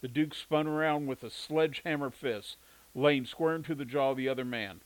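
A man narrating a story in an even, steady reading voice. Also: medium pitch, normal speed, dry recording, low-quality recording.

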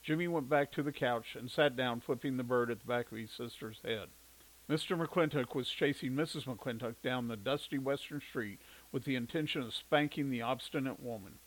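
A man narrating a story in an even, steady reading voice. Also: medium pitch, rough recording.

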